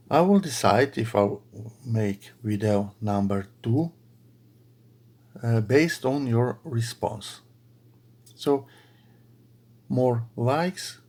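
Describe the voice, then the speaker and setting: A middle-aged Slovenian man with a somewhat low, husky voice talks slowly and haltingly to his followers, full of fillers and restarts. He chats casually while he crochets in his bedroom. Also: warm tone. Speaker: crochet video creator. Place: bedroom at home.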